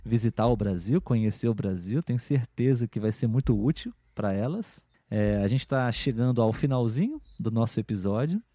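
A Brazilian man hosting a podcast, talking in an easygoing, reflective way and often checking in with "né?". His voice is mellow and warm. It is recorded dry and close, with no room around it. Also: medium pitch, animated, moderate pace, few pauses, no room sound. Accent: Brazilian Portuguese. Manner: thoughtful, with frequent "né?" and restarts. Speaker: podcast host. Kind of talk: casual podcast conversation.

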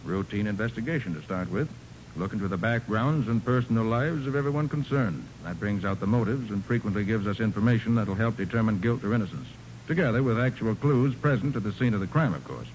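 Actor as a confident detective, animated 1940s radio style. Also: male voice, on the low side, fairly quick, natural voice. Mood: authoritative. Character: confident, brisk male private detective in charge. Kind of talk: 1940s radio crime drama acting. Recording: noisy 1940s radio recording.

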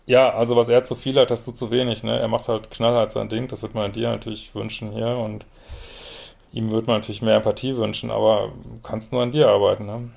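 A man with a fairly low, level, darkish voice speaks briskly with vocal fry. Hosting a podcast as a couples therapist, he comments bluntly and directly on a listener's letter, often ending with a questioning "ne?".

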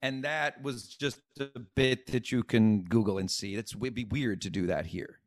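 Comedian guest in a relaxed podcast chat. Lively, keeps dropping into voices. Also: male voice, on the low side, moderate pace. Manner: animated, acts out quotes. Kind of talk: casual interview chat.

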